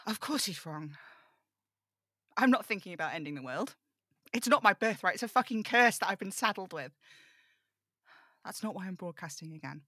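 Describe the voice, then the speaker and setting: A woman's voice: medium pitch, a bit bright, no room sound, studio quality, natural voice. A woman playing a burdened, defiant young male broadcaster in an audio drama table read, snappish and sarcastic. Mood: anxious, resolute.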